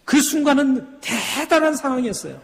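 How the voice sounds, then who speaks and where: A man preaching a sermon as a pastor, emphatic and rising to loud peaks, often putting questions to the congregation. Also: extremely high pitch, animated, moderate pace, creaky. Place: church sanctuary. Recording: long hall reverb.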